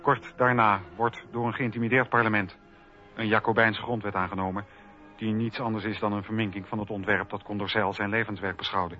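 A man's voice: fairly low pitch, fairly even intonation, fairly quick. A man narrating history from a script for a documentary radio play. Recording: dull radio recording with faint music.

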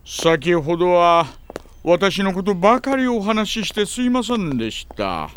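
A man playing a genial but sly middle-aged gentleman with an unctuous, formal, teasing manner in an anime audio drama. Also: high voice, sing-song, measured pace, slight background noise, heavily acted. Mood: unctuous, courteous. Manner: unctuous, formal, teasing, chuckling old-fashioned phrasing.

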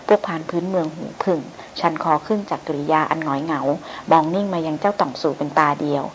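A woman narrating an adventure novel in a steady, even reading voice. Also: low voice, fast, slight background noise, low-quality recording. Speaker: audiobook narrator.

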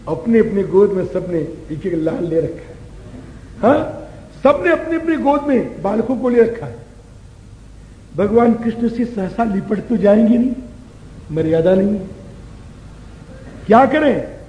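A man giving a devotional sermon, emphatic and repetitive, slowly chanting scripture verses between his explanations. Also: high voice, warm tone, echoey room, in a large hall, low-quality recording. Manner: emphatic, repeats phrases for effect. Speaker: preacher giving a scripture discourse.

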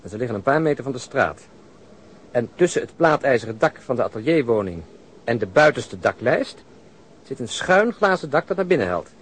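A man's voice: medium pitch, very animated, fairly quick, breathy edge. A man acting a commanding, probing senior policeman in a Dutch radio drama. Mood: deliberating. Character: commanding senior policeman planning a rooftop operation.

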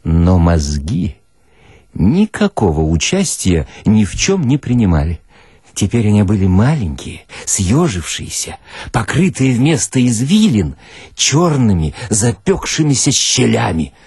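A man narrating a story theatrically in the first person, expressive, with deliberate pauses. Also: fairly low pitch, husky, no echo, clean studio sound. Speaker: narrator and actor.

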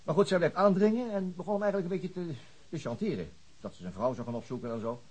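An actor playing an earnest, thoughtful police chief inspector in naturalistic radio drama dialogue. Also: male voice, fairly high pitch, expressive, fast talker, a little mellow, slightly rough. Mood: reflective.

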